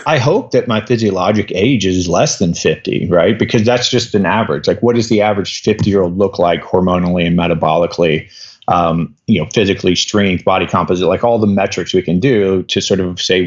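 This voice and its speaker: A man's voice: sits low, fairly quick, dull audio. A man in his fifties explaining at length in a podcast interview, rambling with many restarts. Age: 50s. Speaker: guest doctor.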